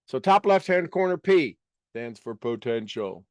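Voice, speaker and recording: A man's voice: mid-range voice, big pitch swings, a little slow, no echo, studio quality. A man teaching a live motivational workshop to an audience, speaking emphatically, repeating key words and dropping casual asides.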